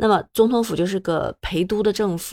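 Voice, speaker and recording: In a very clean recording with a silent background, a woman with a normal speaking voice talks at a moderate pace with ordinary pitch variation. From Nanjing, China. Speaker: podcast host, travel recommender. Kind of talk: solo monologue, travel recommendations.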